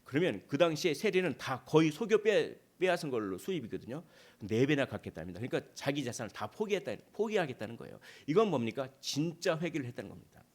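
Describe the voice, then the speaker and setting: A man's voice: a little high, expressive, fast talker, few pauses. A male pastor preaching a sermon in a conversational way, asking rhetorical questions and acting out short dialogues.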